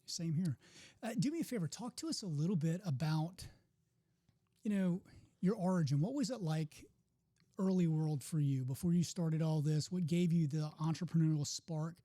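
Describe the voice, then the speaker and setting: A man hosting a podcast, his voice dark and mellow, sitting slightly high for a man. He asks questions in a relaxed, easygoing way, with casual fillers. The sound is close and dry. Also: moderate pace, dry recording. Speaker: podcast host. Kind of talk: podcast interview.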